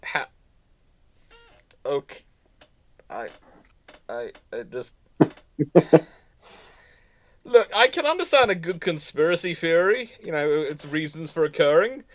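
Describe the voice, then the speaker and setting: A man hosting a live history stream in casual chat, with a halting, rambling way of talking that often repeats words. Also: on the high side, big pitch swings. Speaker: host of a live history question show; history lecturer.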